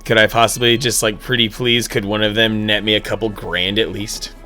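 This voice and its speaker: A man's voice: fairly low pitch, level tone, a little fast, sharp tone. A man giving playful, sarcastic live commentary while streaming a video game, joking and swearing casually, over faint game music.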